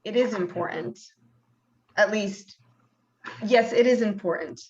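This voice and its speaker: A woman's voice: medium pitch, measured pace, darkish tone, close to an everyday voice. A woman playing a shy, earnest middle-aged visitor full of wonder in a play reading, speaking hesitantly over a video call. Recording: dull video call audio.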